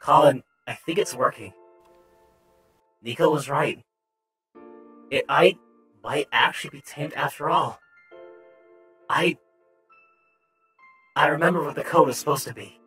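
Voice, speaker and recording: A man voicing a gentle, hesitant computer entity in a glitchy voice with jumping pitch, as part of a game playthrough. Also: unhurried, pauses often, slightly rough, soft background music, exaggerated voice. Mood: hopeful.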